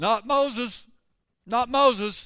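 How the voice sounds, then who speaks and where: A man's bright, sharp tone comes across on a very clean recording against a silent background. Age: 70s. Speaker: pastor. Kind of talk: sermon. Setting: church. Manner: animated.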